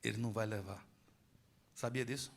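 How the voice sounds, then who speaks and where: A man's voice: fairly low pitch, steady tone, normal speed, vocal fry, noisy background. A middle-aged man, preaching a sermon as pastor, quizzing his congregation with rhetorical questions and telling stories.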